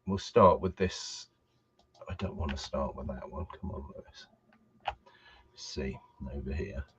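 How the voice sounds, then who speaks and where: A man's voice: rumbling low, a little slow, noisy background. A man hosting a livestream, chatting casually and hesitantly, often half to himself. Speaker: livestream host. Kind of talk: casual unscripted livestream chat. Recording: dull, muffled livestream audio.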